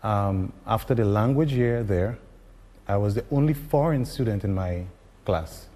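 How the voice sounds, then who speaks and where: A man from Grenada, an ambassador answering interview questions in a halting way with many pauses and ums. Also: lowish voice, mellow, big-room sound.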